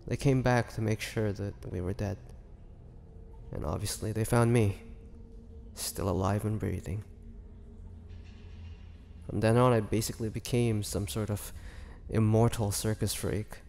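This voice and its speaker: A man playing a weary, bitter young half-vampire prisoner in a dramatic audio roleplay, speaking haltingly and sorrowfully. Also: fairly low pitch, fairly even intonation, creaky, a little mellow. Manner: slow, halting, sorrowful delivery with sighs and pauses. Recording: long hall reverb, faint noise.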